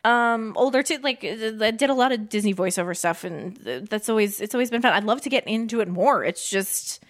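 A woman's voice: a little high, expressive, a little fast. A woman, a comedian, chatting as a podcast guest, laughing often and telling stories with acted-out quotes. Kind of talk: casual chat.

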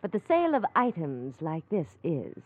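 Guarded crime-drama schemer, vintage radio. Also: female voice, fairly low pitch, wildly swooping pitch, normal speed. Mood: cool, businesslike. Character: cool, guarded young female forgery smuggler posing as charity worker. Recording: muffled narrow-band old radio recording.

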